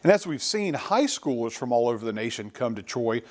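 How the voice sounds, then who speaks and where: A man's voice: mid-range voice, fairly quick, faint music behind. A man anchoring a student news program, reading lead-ins from a script. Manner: lively scripted delivery.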